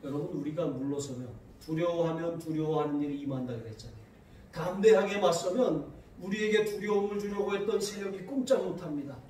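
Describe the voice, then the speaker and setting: A man preaching a sermon as pastor, reading scripture slowly and telling lively, laughing anecdotes. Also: high-pitched. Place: church sanctuary. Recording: very echoey church sanctuary heard from a distance.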